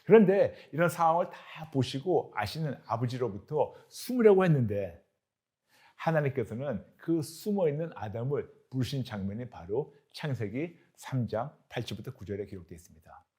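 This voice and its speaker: A male pastor preaches in an earnest, steady manner, reading scripture aloud. His voice sits at an ordinary middle pitch. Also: normal speed. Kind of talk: sermon.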